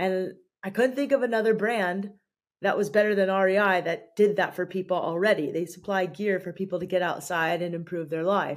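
The speaker has a plain, everyday voice in an American accent. The pace is moderate and the intonation fairly even. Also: woman, medium pitch for a woman. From US West Coast, San Diego. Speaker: author and adventure journalist. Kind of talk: interview conversation.

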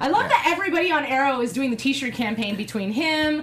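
Her pitch swings very widely. Noticeable background noise runs behind this woman. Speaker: TV after-show host. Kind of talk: casual panel chat. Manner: fast talker.

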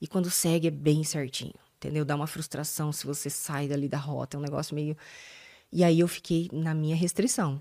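Over a very clean recording with a silent background, a woman with a very deep, low pitch speaks at a fairly quick pace with fairly even intonation. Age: 40s. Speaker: psychoanalyst, weight-loss specialist. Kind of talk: casual interview.

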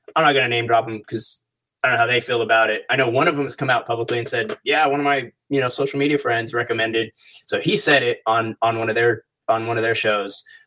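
Talking at a very fast pace, a man with an American accent has a medium pitch, fairly even intonation, and a bright, sharp tone. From California. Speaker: kayak angler. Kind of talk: casual interview.

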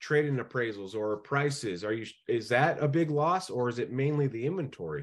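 This man has an ordinary speaking voice at a medium pitch, with ordinary pitch variation, a moderate pace and a quiet background. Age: 40s. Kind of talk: one-on-one coaching session.

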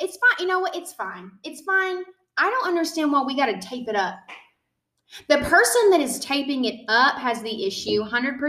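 Her voice raised and projected, a woman with a slight Texan accent speaks at a moderate pace, high-pitched with a bright, sharp tone and very wide pitch swings. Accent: Texan, slight twang. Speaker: podcast host and teacher. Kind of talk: casual chat.

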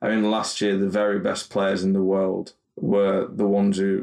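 A man uses a normal speaking voice, fairly low in pitch, at a moderate pace. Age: 20s. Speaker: professional esports player and coach. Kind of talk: interview.

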